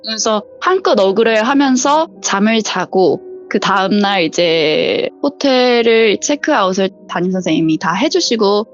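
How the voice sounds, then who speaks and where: A woman's voice: mid-range voice, lively intonation, measured pace, hardly any pauses, muffled recording, faint music behind. A woman, a flight attendant, telling a true ghost story as a vivid storyteller who acts out the quoted voices.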